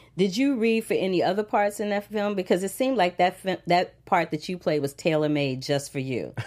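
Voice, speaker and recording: A woman at a medium pitch, fairly quick and animated in tone, with lively intonation over noticeable background noise. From US Midwest, St. Louis, Missouri. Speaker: film critic and show host. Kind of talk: casual interview. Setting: studio. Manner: animated, laughing often.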